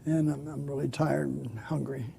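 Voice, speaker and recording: A man's voice: mid-range voice, fairly even intonation, normal speed, gravelly, a little hiss or hum. Older man as a tired little frog. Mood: weary. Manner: soft weary pleading.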